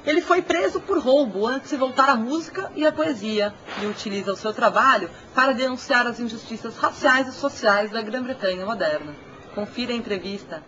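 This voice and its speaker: A woman's voice: on the high side, fast talker, sharp tone. A woman interviewer from Brazil, asking polite, careful questions. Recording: dull sound with faint noise.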